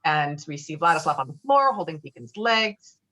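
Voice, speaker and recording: A woman's voice: sits low, sing-song, normal speed, bright, forceful tone. A woman reading scripted stage directions as a narrator, heard on muffled audio. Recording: dull, muffled online call audio.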